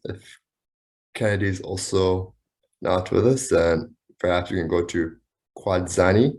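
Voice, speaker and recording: A very deep-voiced man hosts an online meeting and politely invites each participant to introduce themselves. He keeps his requests formal and courteous, and the sound comes through a video call. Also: steady tone, measured pace, darkish tone. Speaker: webinar moderator. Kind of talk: calling on speakers in an online meeting.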